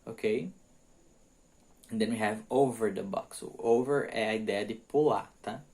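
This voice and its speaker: A man teaching English prepositions, reading example sentences slowly and explaining them quickly, often checking in with "ok?". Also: fairly low pitch, a little mellow. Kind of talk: bilingual grammar lesson.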